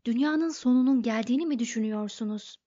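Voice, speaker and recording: A woman's voice: a little high, fast talker, mellow, natural voice. A woman voicing a polite, deferential male barman in an audiobook. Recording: dull lo-fi recording.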